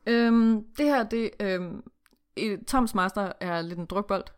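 A woman's voice: mid-range voice, clean tone. Blunt podcast woman who swears. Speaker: podcast host. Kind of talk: casual chat with reading aloud.

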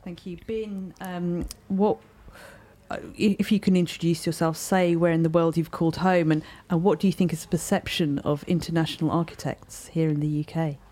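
A woman's voice: lowish voice, steady tone, normal speed, dark tone. A woman hosting a podcast interview, friendly, with small restarts as she asks her questions. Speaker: podcast host.

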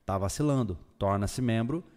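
A man's voice: on the low side, normal speed. Man talking in an echoey bare room. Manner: relaxed, joking, chatty. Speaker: podcast host. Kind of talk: casual podcast chat. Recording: long echo from a bare room.

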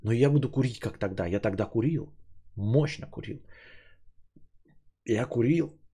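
A man in his thirties, a podcast host, musing aloud in a rambling solo monologue, swearing casually and drifting between livelier and quieter stretches. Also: medium pitch, unhurried, breathy edge. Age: 30s.

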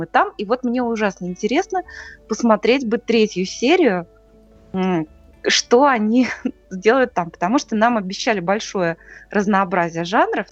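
A woman on a podcast recaps TV episodes in a loose, conversational way. Her pitch rises and falls a lot as she explains each plot point. The sound is a little dull, with faint music underneath. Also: no room sound. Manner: lively, explains plots step by step. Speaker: podcast co-host. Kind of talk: casual TV review chat.

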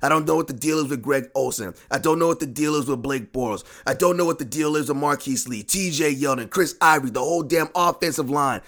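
A hoarse man who has lost his voice, hosting a sports podcast alone and ranting in frustration with plenty of swearing and repetition. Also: fairly high pitch, fast talker, hardly any pauses, a bit bright. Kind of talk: solo ranting sports talk.

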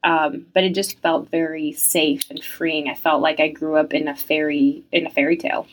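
A woman's voice: sits low, little pitch movement, moderate pace. A young woman from France who grew up in the United States, answering interview questions in a chatty, reflective way with many fillers.

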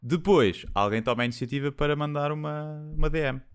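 A man's voice: a little high, fairly quick, clean tone. Dry-witted man in casual chat. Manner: dry, joking, explains things.

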